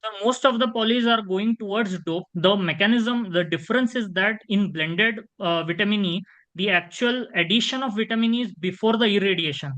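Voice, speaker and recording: A man's voice: sits high, brisk, bright, forceful tone, low-quality recording. A man from western India with a strong South Indian accent, giving technical explanations as a deferential presenter answering questions. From Maharashtra, India.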